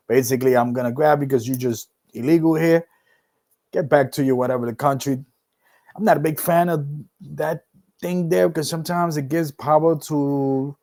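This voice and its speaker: A middle-aged man from Puerto Rico with a mixed Puerto Rican and New York accent, hosting a casual solo podcast, animated, with loud whoops and repeated words while he gathers his thoughts. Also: mid-range voice. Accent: Puerto Rican and New York mix. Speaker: podcast host.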